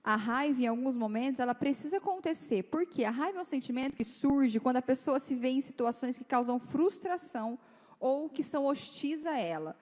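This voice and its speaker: Young female youth speaker, lively and conversational, slightly high pitch, reverberant church hall. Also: fairly quick. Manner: lively, chatty, acts out dialogue in quoted voices. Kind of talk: informal talk to teenagers.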